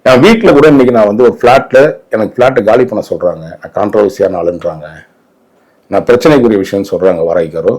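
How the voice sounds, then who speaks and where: A man's voice: fairly low pitch, expressive, fast talker, darkish tone, slightly rough. A man with a Tamil Nadu accent giving opinionated interview commentary in an emphatic, indignant way, often posing rhetorical questions.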